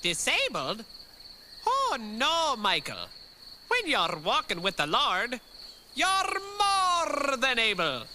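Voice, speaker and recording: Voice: high voice, wildly swooping pitch, takes it slowly, background noise, heavily acted. An actor playing a tiny, cheerful one-winged firefly with a Scottish accent in a children's musical audio drama, folksy and devout. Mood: helpful. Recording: loud music behind the voice.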